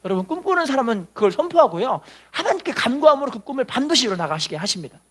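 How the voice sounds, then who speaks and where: A male pastor preaching a Sunday sermon in a very high voice that rises and falls widely. He tells the story with fervor, repeats a hallelujah refrain, and moves from ringing declarations to hushed asides. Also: sing-song, fast talker, husky. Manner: storytelling with swings between loud declarations and quiet asides.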